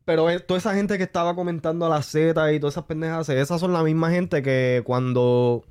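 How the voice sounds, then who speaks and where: Puerto Rican man, podcast co-host, easygoing slang, slightly high voice. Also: brisk, clear, resonant tone. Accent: Puerto Rican Spanish. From Puerto Rico. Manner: relaxed, slangy, agreeing often. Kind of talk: casual chat.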